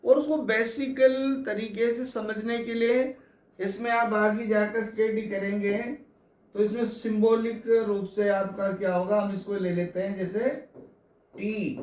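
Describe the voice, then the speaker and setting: A man teaching English literature for exams, explaining slowly and repeating key points to his students. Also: high voice, steady tone, a little mellow. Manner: slow, repetitive explaining, addresses students as kids. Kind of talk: exam coaching lecture. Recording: echoey room.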